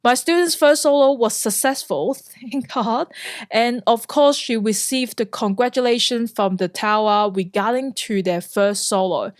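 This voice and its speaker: A woman's voice: a little high, a little slow, no echo, clean studio sound. A woman from Hong Kong, a flight instructor, narrating a scripted vlog in an earnest, enthusiastic way.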